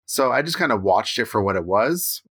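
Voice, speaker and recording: A man in his thirties from Canada talks through a casual co-hosted chat. His voice sits low but sounds bright and forward. He rambles, restarts his sentences and tags many thoughts with "right?". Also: sing-song, brisk, breathy edge.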